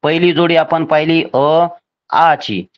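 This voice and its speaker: Man, teacher, exam grammar lesson, slightly high voice, dull lo-fi recording. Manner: slow, deliberate, spelling out rules step by step.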